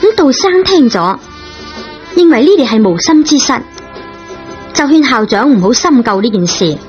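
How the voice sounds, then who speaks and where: A woman with a Cantonese accent narrating a radio drama in an expressive storytelling manner. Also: sits high, normal speed. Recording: dull lo-fi radio recording, music behind.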